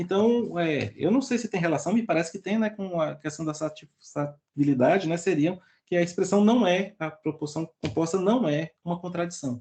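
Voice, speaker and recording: A man with a high pitch and a dark, mellow tone speaks with hardly any pauses. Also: ordinary pitch variation. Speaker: thesis committee member. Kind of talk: academic thesis defense feedback. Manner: fast.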